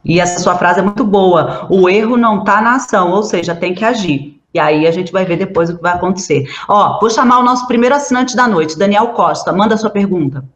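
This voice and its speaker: A woman's voice: medium pitch, a little fast, hardly any pauses, roomy sound, muffled recording. A woman with a Brazilian Portuguese accent hosting a live session, upbeat and steering questions to her guests. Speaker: host.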